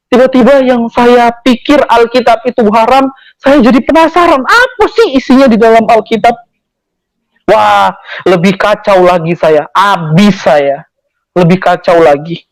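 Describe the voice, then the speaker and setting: High-voiced man giving an earnest testimony. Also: dry recording, low-quality recording. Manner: earnest, animated retelling with quoted dialogue. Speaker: testimony speaker. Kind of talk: personal testimony.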